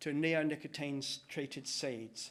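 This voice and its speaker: Fairly even intonation from a man with a fairly high pitch and an Australian accent. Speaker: entomologist giving a conference talk. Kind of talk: conference presentation.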